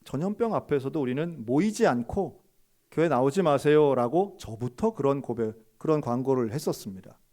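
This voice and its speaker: A man's voice: medium pitch, lively intonation, normal speed. A middle-aged man preaching a sermon as a pastor, telling a story and acting out the quoted questions and answers, often putting direct questions to his congregation. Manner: storytelling, acts out quoted dialogue with sharp rises.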